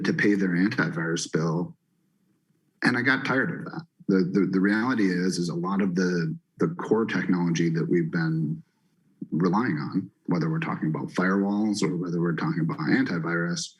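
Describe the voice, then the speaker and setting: Deep, husky-voiced middle-aged man. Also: rough recording. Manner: halting, with doubled and tripled words. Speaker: company executive and industry veteran. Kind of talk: explanatory answer on an investor call.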